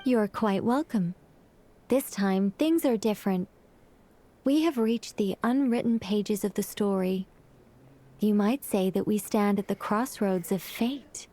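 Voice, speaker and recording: A woman's voice: medium pitch, unhurried, mellow, lightly acted. A woman voicing a reserved witch in a video game who speaks formally and turns flustered when embarrassed.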